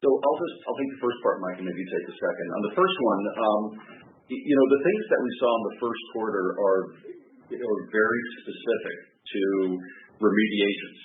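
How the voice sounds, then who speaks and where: A very deep-voiced man speaking as a bank executive on an earnings call. He talks in a measured way, with many fillers. His voice comes through a thin, tinny phone line with a roomy echo and a faint hiss behind it. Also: lively intonation. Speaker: bank executive answering analysts.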